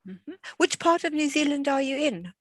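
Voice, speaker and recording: A woman's voice: sits high, lively intonation, moderate pace, fairly bright tone, no echo, clean studio sound. An older woman at home chatting as the instructor of an online class over a video call, friendly and full of fillers and restarts. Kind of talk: casual chat before an online class.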